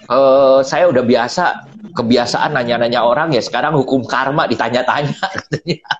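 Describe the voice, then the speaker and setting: A middle-aged man gives a casual motivational business talk on a live stream, telling stories animatedly, acting out quotes and laughing often. His fairly high voice comes through a phone mic with the highs cut off.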